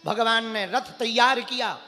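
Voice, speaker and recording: A man's voice: extremely high pitch, a little slow, sharp tone. A man preaching a devotional sermon, telling a sacred story and voicing its characters, at times chanting Sanskrit verses. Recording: large hall with long reverb, faint music.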